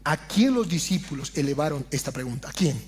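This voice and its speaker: A man's voice: fairly high pitch, expressive, fairly quick, husky. A man, a pastor preaching a sermon in a church and often addressing the congregation as brothers.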